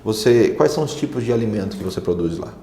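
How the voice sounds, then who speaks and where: Gravelly, dark-voiced male talk show host. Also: fairly low pitch, lively intonation, fast talker, echoey room. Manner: chatty, leading the guest with prompts. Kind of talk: casual business interview.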